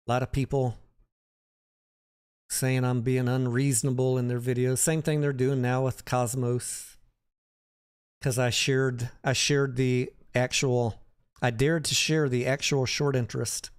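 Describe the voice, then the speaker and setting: A man's voice: mid-range voice, fairly even intonation, a little slow, long pauses, clear, resonant tone. A man hosting a livestream, talking casually about the stock market and answering viewers by name in a conversational way.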